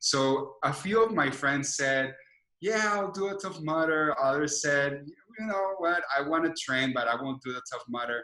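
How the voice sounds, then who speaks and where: A man with a Spanish accent speaks at a fairly slow pace, his fairly high voice carrying lively intonation. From Colombia, Cali. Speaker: advertising agency founder. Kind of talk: interview.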